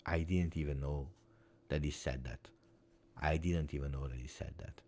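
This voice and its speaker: With a rumbling low, darkish voice and a moderate pace, a man in his forties runs a casual live chat for his fan channel's viewers. His English, not his native language, comes out in earnest, rambling, repetitive talk.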